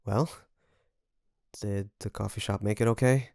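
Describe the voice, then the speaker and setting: Creaky-voiced, secretly obsessive best friend played by a man. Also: fairly low pitch, steady tone, a little mellow, no echo, studio quality. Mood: casual, coaxing. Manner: hesitant, coaxing, with sighs and pauses. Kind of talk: intimate roleplay audio drama monologue.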